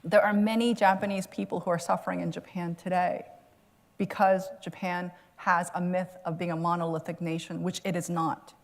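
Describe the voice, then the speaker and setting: A woman's voice: fairly low pitch, little pitch movement, normal speed. A woman author answering an audience question at a lecture, earnest and reflective, laughing now and then. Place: lecture hall.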